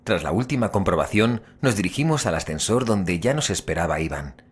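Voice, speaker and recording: An actor from playing a wry, easygoing, tech-savvy investigator in an audio drama, in dialogue and narration. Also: male voice, deep voice, lively intonation, a little fast. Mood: narrating. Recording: music clearly behind the voice.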